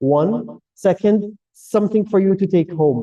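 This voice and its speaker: In a dark, mellow tone, a man talks, his pitch varying in an ordinary way. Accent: Kuwaiti. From Kuwait. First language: Arabic. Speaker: general evaluator at a public speaking club meeting. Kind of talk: meeting evaluation feedback. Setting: hybrid club meeting.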